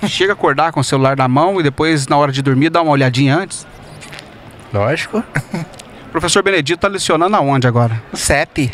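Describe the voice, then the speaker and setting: The sound is dry with no echo, and there is light background noise. A man talks at a fairly quick pace with ordinary pitch variation. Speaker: street-interview TV host. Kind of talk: live street interview, casual. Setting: outdoors, pedestrian street. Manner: animated, chatty. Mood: friendly, upbeat. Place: street. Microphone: handheld.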